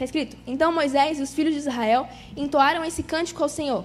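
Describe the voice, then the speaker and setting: At a high pitch, a woman speaks at a fairly quick pace with fairly even intonation. Audible room echo surrounds her voice. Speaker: preacher. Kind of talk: sermon. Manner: fast.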